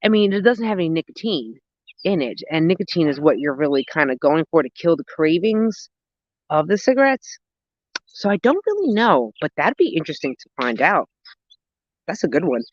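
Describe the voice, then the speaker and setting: Outdoors in a garden, a woman of about forty hosts a livestream on gardening and mental health, chatting casually, expressively and with slang. She thinks aloud and gets sidetracked easily while answering comments. Her voice is low with big pitch swings at a moderate pace, and the audio is dull.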